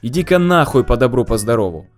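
Brief: a man playing a burly, hostile peasant, gruff and threatening. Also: medium pitch, sing-song, fast talker, soft background music, natural voice. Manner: threatening, rough. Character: burly bearded male peasant, menacing and aggressive.

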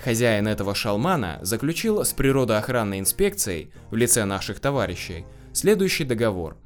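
A man's voice: fairly low pitch, very animated, a little fast, faint music behind. A man narrating a first-person story in an audiobook, with a wry, slangy telling.

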